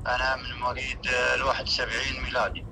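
A man's voice: medium pitch, flat delivery, gravelly, background noise. Man in his fifties on speakerphone. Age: 50s. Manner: slow, measured, hesitant with many fillers. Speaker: former teacher calling in. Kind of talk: phone call on a livestream.

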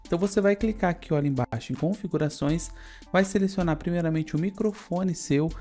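A man in his thirties with a Brazilian accent giving a casual software tutorial on a USB microphone in a studio. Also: fairly high pitch, a little fast, soft background music. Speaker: tutorial presenter. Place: studio indoors.

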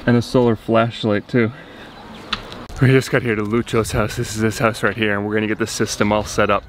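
Earnest young male vlogger, slightly low voice, camera held at arm's length, faint outdoor hiss. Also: flat delivery, a little fast. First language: English. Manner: earnest, talks straight to camera. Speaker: vlogger, coffee company founder. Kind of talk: casual vlog to camera. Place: outdoors on a rural road and in a car, then a village.

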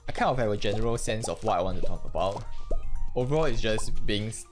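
A man's voice: fairly low pitch, expressive, fast. A young man from Singapore with a Singaporean English accent and Mandarin as his first language, talking reflectively over gameplay with a slight stutter and frequent restarts. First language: Mandarin Chinese. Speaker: gaming channel host. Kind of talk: casual gameplay commentary and personal reflection. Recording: faint music behind voice.

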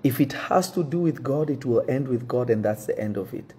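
Earnest, husky-voiced pastor, French native speaker. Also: male voice, medium pitch, animated, dark tone. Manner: earnest, measured, restarts to pick his words. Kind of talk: direct-to-camera address to his congregation. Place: indoor room with wooden shelves.

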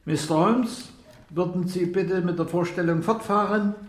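Male actor for stiff, courteous government official, radio drama; high voice, deliberate delivery, roomy echo. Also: natural voice. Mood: formal, measured. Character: formal, courteous government official chairing a secret briefing. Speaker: official leading a project briefing. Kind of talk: formal, measured radio drama speech.

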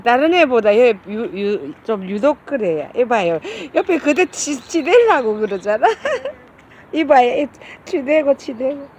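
Woman, middle-aged, slow-paced, coaxing and affectionate, outdoors. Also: fairly high pitch, sing-song, a little mellow, slight background noise. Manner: coaxing, affectionate, calls the cats over and over. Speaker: cat caretaker and channel host. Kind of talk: casual talk while feeding cats. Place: outdoors on a wooded hillside.

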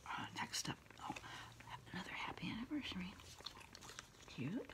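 A middle-aged woman whispering a quiet ASMR roleplay close to the mic, in a breathy, murmuring voice with pauses and soft hums. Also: mid-range voice, sing-song. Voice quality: breathy, mostly unvoiced whisper. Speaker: ASMR host playing a therapist. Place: small candlelit indoor room.

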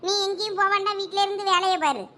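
A woman playing a scolding, overworked middle-aged village mother in a comedy sketch, speaking in a fast nagging rant. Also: very high-pitched, fairly even intonation, a bit bright, a little hiss or hum.

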